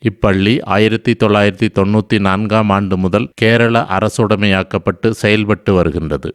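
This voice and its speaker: A man, a school teacher, giving a measured, formal address on a radio programme. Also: on the low side, steady tone, clear, resonant tone, dry recording, clean studio sound.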